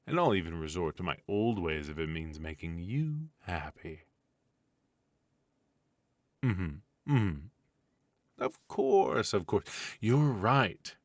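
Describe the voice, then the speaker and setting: Man playing a deep-voiced theatrical retired supervillain husband. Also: big pitch swings, slow pace, long pauses, no room sound, heavily acted. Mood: sinister affection. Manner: theatrical, drawling, mock-sinister. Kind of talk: comedic ASMR roleplay.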